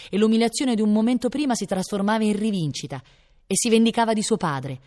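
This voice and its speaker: Woman reading a novel aloud, expressive. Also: on the low side, in a large hall. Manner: expressive, voicing each character. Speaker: audiobook reader.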